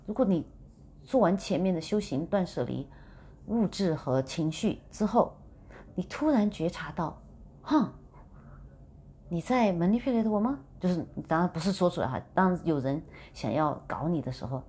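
Woman chatting about her practice, low mellow voice, throws in english words here and there. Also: animated, moderate pace, a little hiss or hum. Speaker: vlogger sharing spiritual practice. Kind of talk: casual storytelling monologue.

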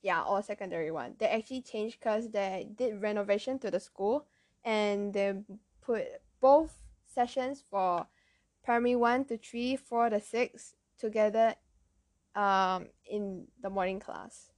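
A woman's voice: mid-range voice, measured pace, a little mellow. A young woman with a Malaysian accent telling personal stories in casual, colloquial Malaysian English as the host of an episode. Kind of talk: casual chat, personal storytelling.

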